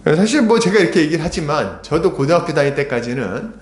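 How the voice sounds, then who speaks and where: A man's voice: big pitch swings, fast talker. A middle-aged man pastor preaching a sermon in a church, conversational and full of rhetorical questions. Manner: grows urgent and raised in pitch. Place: church sanctuary. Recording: echoey church hall.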